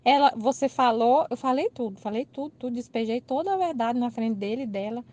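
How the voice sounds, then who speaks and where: A woman with a Brazilian accent recounts an everyday mix-up in a lively, chatty way. Her voice sits a little high, and she acts out the others' lines as she tells it. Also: fast talker. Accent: Brazilian Portuguese. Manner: animated, laughing retelling with quoted dialogue. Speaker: channel host. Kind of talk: casual storytelling.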